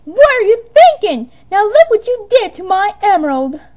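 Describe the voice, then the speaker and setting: A woman's voice: extremely high pitch, very animated, moderate pace, darkish tone, pitched above the performer's own voice. A woman voicing a sassy female cartoon bat treasure hunter in a showy way, for an amateur audition. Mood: angry, shouting.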